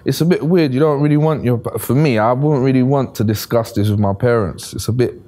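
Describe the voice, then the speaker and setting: A man's voice: medium pitch, a little fast, dark tone. A man in his thirties, a panel guest talking in an easygoing, plainspoken way. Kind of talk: casual discussion. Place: bright studio room, city view.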